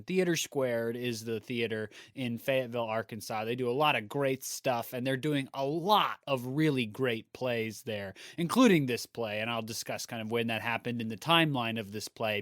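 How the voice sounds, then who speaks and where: Man, theater podcast co-host, mid pitch, dry close sound, talks with deep morning voice, laughs easily. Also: no echo. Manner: chatty, laughs easily, animated. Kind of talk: casual chat about theater.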